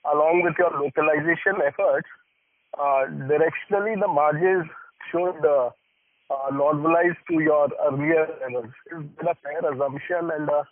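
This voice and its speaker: A man with an Indian accent puts questions as an investment analyst on an earnings call. His voice is husky and slightly high, and he is polite, hesitant and wordy. It comes over a garbled, narrow phone line.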